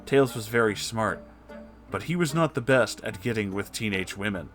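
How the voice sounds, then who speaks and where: A man's voice: on the low side, lively intonation, normal speed, fairly bright tone, faint music behind. A man reading fan fiction aloud for comedy, mock-serious and amused, with dry asides. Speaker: reader.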